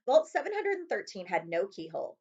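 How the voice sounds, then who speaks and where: A woman's voice: mid-range voice, big pitch swings, brisk, a little mellow, slightly rough. Woman reading a storybook aloud, slightly muffled. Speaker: librarian reading a chapter book aloud. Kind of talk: storybook narration, read aloud.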